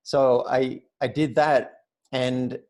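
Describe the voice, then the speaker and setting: Guest, Australian man, 50s, energetic and conversational. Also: medium pitch, slow pace. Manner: upbeat, chatty, restarts words often. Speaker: podcast guest. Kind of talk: casual interview chat.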